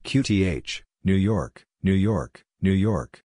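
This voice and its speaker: Deep man reading Morse drill phrases. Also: expressive, takes it slowly, warm tone, dry recording, studio quality. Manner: reads short phrases in isolated bursts, repeating words. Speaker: Morse code practice reader. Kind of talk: slow scripted reading of phrases.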